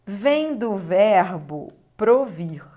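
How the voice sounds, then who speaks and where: Slow-talking woman teaching grammar. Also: medium pitch, big pitch swings, dark tone. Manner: explanatory, checks understanding with tag questions. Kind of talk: video lesson on grammar exercises.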